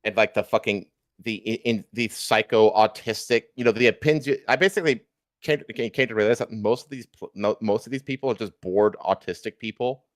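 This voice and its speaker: A man with a fairly low voice, recorded dry and close to the ear. He rants casually like a livestream host, swearing often and repeating himself for emphasis. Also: a little fast, no room sound. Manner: profane, emphatic, repetitive. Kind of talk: casual ranting chat.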